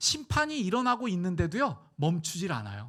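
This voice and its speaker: This man's pitch swings very widely as he talks at a moderate pace. The recording is very clean and the background silent. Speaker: senior pastor. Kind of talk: sermon. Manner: rhetorical questions to the congregation.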